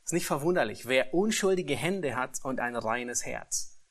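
A man preaching a sermon and reading scripture, stressing key phrases slowly and repeating words as he searches for them. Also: medium pitch, expressive. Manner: emphatic, slows and rises on key phrases. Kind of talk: expository sermon.

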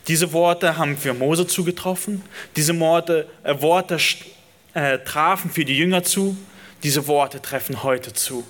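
A man's voice: on the high side, measured pace, fairly bright tone. A man preaching a sermon, speaking earnestly and directly to his listeners and building emphasis through repeated phrases.

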